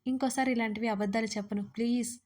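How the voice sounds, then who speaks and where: A woman's voice: on the high side, steady tone, fast talker, darkish tone, natural voice. A woman voicing a pouting, pleading young wife in a romance audio story, coaxing and pouty.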